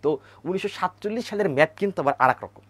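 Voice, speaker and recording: A man teaches history from map slides, his somewhat high voice rising and falling a lot. He keeps repeating the key place names and asks his viewers to say them back. The recording is dry and close. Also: expressive, quick pace, fairly bright tone, husky, no echo. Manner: repeats key words, quizzes viewers, has them chant names aloud.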